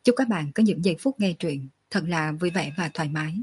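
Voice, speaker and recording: A woman hosting an audiobook channel, reading a serialized novel aloud with steady narration. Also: low voice, fairly quick, slightly rough.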